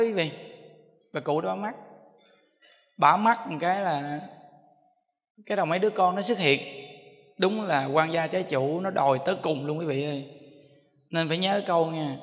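A man, a Buddhist monk, telling a story in a sermon, animated and acting out voices. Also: a little high. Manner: animated, acts out voices, chuckles often. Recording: reverberant hall.

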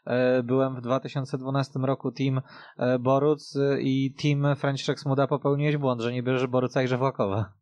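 Mid-pitched man, close dry sound. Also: flat delivery, moderate pace, a little mellow, no echo. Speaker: podcast panelist. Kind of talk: casual football discussion. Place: dry radio studio.

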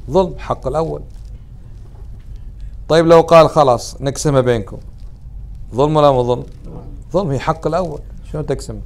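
A man's voice: on the high side, a little fast, gravelly, pauses often. A man, a sheikh teaching a religious lesson who keeps putting questions to his listeners and mixes colloquial words into formal speech. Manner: questions the audience often, then answers himself.

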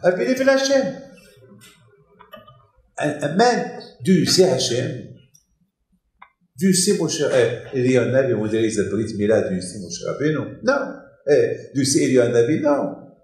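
An older man from Morocco, giving an animated Torah lecture in English, repeating his phrases. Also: mid-range voice, moderate pace, long pauses. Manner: animated, gesturing broadly, repeats phrases, non-native English. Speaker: rabbi. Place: synagogue hall, indoors. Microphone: desk mic on stand. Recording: echoey hall.

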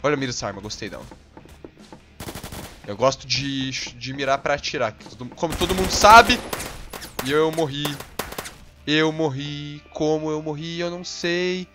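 A young Brazilian man with a Brazilian accent giving hot-tempered gameplay commentary, swearing and bursting into yells. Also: fairly high pitch, normal speed, long pauses, music in the background. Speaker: gaming channel host.

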